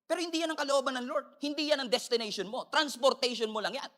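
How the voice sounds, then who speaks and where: A man with a Filipino accent preaching an animated sermon as pastor, mixing in English and calling for amens. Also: very high voice, quick pace.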